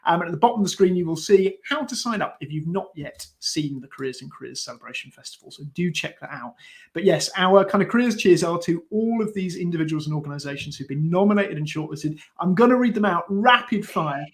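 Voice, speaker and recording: A man's voice: high-pitched, expressive, brisk. A man co-hosting a show, reading out announcements and congratulations in an upbeat live style. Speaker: show co-host.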